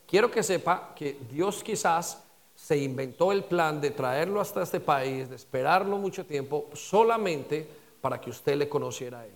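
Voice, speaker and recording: A fairly high-pitched man with lively intonation at a moderate pace, audible room echo around him. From Colombia. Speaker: pastor. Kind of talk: sermon. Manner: halting, many fillers.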